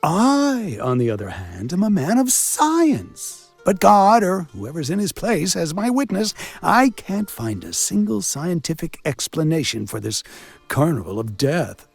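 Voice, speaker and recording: Game role: sardonic village doctor, theatrical wisecracker, extremely varied pitch, music underneath. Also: male voice, sing-song, a little slow, gravelly, slightly rough, heavily acted. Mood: wry. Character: sarcastic village doctor and coroner, self-styled man of science. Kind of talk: video game character acting.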